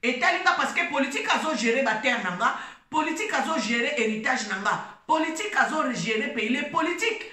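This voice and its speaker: A woman's voice: high voice, animated, brisk, sharp tone, echoey room. A Congolese woman, a gospel singer, giving an impassioned religious talk, emphatic and repetitive, slipping between French and Lingala. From Democratic Republic of the Congo. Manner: emphatic, preachy, repeats phrases, mixes French and Lingala.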